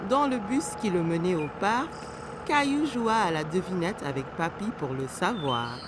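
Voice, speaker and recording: A woman's voice: lowish voice, animated, normal speed, noisy background, natural voice. A woman reading scripted children's story narration as the storyteller of a cartoon.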